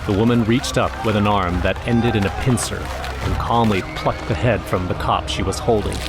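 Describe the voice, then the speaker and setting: Male narrator for horror audio drama, an actor in role: lowish voice, grim eyewitness account, dramatic, over music. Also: fairly even intonation, normal speed, a loud crowd, lightly acted. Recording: music under the voice.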